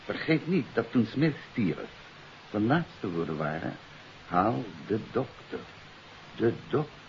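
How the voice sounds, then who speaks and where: An actor playing a confident detective who explains a case in an assured, emphatic way, in 1950s radio drama style. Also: male voice, on the low side, very animated, slow, creaky, heavily acted. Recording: dull, hissy 1950s radio recording.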